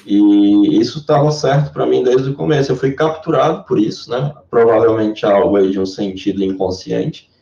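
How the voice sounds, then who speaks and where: A man's voice: medium pitch, moderate pace, creaky, hardly any pauses, warm tone, distant mic. A man with a Brazilian Portuguese accent, a Jungian therapist answering interview questions in a careful, lecture-like way. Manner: explanatory, lecture-like. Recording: echoey dull lo-fi sound.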